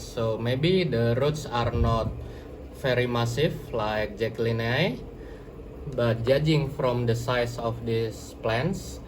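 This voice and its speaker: A man with an Indonesian accent, a native Indonesian speaker, hosting an instructional vlog, explaining slowly and sometimes searching for words. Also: mid-range voice, noisy background. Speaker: plant grower and channel host.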